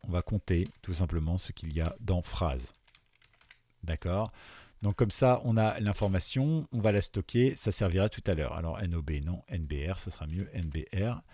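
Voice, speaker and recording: A man teaching beginners to code, explaining each step and often checking in with his listeners, with many fillers and dropping quieter while he types. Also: low voice, normal speed. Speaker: programming teacher. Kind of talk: screen-recorded coding tutorial. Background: keyboard typing.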